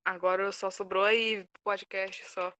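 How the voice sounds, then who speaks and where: A woman's voice: mid-range voice, little pitch movement, measured pace, bright, forceful tone. A young woman co-hosting a casual podcast on her phone, teasing and playful. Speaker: podcast co-host.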